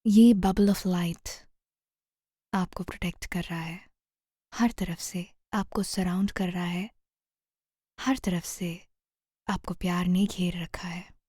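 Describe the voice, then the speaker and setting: Slow, breathy woman guiding meditation. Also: lowish voice, fairly even intonation, dry recording, clean studio sound. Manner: soothing, gentle, often trailing into breathy near-whisper. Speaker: guided meditation narrator. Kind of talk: slow guided meditation narration.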